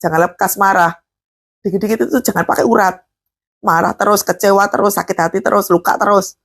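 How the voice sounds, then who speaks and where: A woman preaches a live devotional sermon, often questioning the congregation and rising high on emphatic words. Her intonation is fairly even, her pace fairly quick, and her voice a bit bright with a breathy edge.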